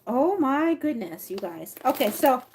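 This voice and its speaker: Chatty woman with a higher-pitched voice. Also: very animated, unhurried, background noise. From Mexico and the rural US Southwest. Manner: chatty, informal, thinking aloud. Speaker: livestream host. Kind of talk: casual livestream chat, reading labels aloud and replying to viewers.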